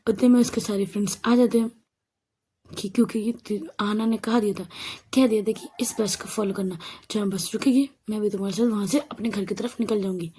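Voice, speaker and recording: A woman's voice: mid-range voice, steady tone, fairly quick, dark tone, a little hiss or hum. A woman narrating a story in a loose, conversational way, with restarts.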